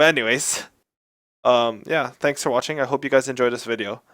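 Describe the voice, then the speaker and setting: A man with a medium-pitched voice talks at a very fast pace. The recording is very clean, with a silent background. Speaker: pro gamer commentary vlogger. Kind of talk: casual monologue vlog. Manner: casual, many fillers.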